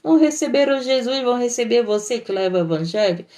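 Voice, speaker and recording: Woman preaching on a live stream, mellow voice, keeps asking questions and repeating herself. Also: a little high, animated, fast. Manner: emotional, repetitive preaching with many rhetorical questions. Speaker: missionary preacher. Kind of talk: sermon. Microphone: livestream microphone.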